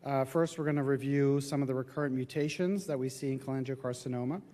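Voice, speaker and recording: A man's voice: mid-range voice, fairly even intonation, dark tone. Nasal man with a cold, presenting. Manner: halting, many filler sounds. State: getting over a cold. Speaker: medical oncologist speaker. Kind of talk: conference presentation. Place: conference venue.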